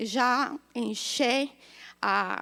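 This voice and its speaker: A woman talks with a Spanish accent. The recording is very clean, its background silent. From Guatemala. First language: Spanish (speaking Portuguese). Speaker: guest preacher. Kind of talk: sermon.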